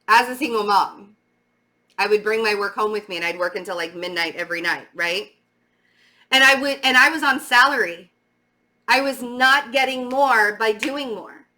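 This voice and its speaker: The speaker is a middle-aged tarot reader whose bright, forceful voice runs on the high side. Addressing viewers in a casual, emphatic way, she stumbles through a spiritual reading with a slight stammer, repeating words to drive points home.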